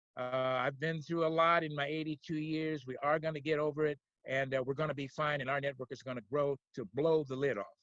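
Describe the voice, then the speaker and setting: A man at a fairly high pitch with monotone, flat intonation and a very fast pace. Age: 80s+. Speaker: retired network marketing founder. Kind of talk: testimony. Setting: outdoors on a video call.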